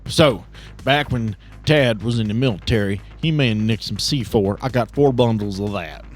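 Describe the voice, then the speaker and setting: A man's voice: fairly low pitch, normal speed, soft background music, close to an everyday voice. A man playing a folksy, crude and wary backwoods arms dealer with an American Southern drawl in a tabletop game. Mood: sly, boastful. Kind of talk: improvised tabletop role-play.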